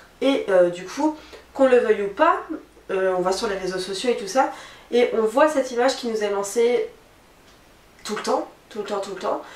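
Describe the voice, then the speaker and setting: Long, frequent pauses break up a woman's speech. Her voice is fairly high-pitched, with lively intonation, over noticeable background noise. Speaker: beauty and lifestyle vlogger. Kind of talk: casual vlog monologue. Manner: fast; hesitant, many fillers.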